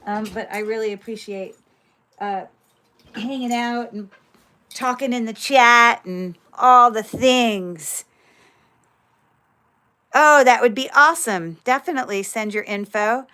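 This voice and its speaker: A woman's voice: a little high, slow pace, long pauses, clear, resonant tone. A woman selling jewelry on a livestream, chatting casually with lots of fillers while she handles each pair. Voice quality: describes own voice as loud. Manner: chatty, many fillers, thinks aloud while handling items. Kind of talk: casual livestream sales chat.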